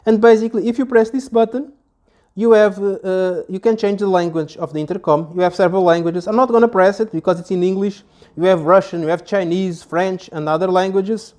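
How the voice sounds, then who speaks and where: A man. He explains things step by step as a product reviewer, casual and somewhat halting in his delivery. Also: high voice, steady tone, a little mellow. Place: small office, indoors.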